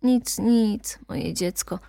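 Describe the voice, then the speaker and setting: A woman voicing an elderly, frightened mother who speaks in a hushed, pleading way. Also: medium pitch, drawn-out words, vocal fry, no echo, clean studio sound. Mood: tearful.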